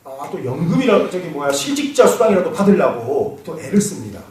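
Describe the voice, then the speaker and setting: A man giving a classroom lecture on fortune-telling, lively and quizzing his students, laughing now and then. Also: on the high side, brisk. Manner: animated, asks students questions, laughs. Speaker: saju lecturer. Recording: roomy echo, mic far off, faint noise.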